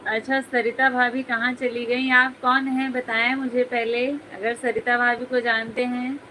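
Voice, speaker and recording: A woman's voice: a little high, little pitch movement, a little slow, sharp tone, a little hiss or hum, rough recording. A woman hosting a casual live stream, chatting with viewers, reading their comments aloud and teasing them by name, often breaking into giggles.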